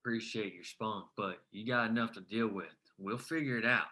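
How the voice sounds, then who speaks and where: An actor plays an earnest, folksy small-town man who speaks plainly and reassuringly. His voice is extremely bright and sharp, delivered as a drama table read. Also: fairly low pitch, moderate pace. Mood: earnest, determined. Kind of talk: screenplay table read acting.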